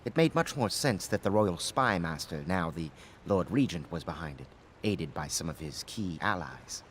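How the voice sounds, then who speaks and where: A man's voice: low voice, animated, normal speed, a little hiss or hum. An actor playing an earnest, grave conspiring nobleman in a video game.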